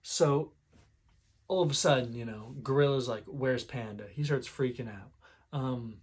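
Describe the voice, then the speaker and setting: A manga reviewer retells a chapter in casual, rambling commentary full of fillers, occasionally clearing a sore throat. His voice is medium-pitched and his pace measured.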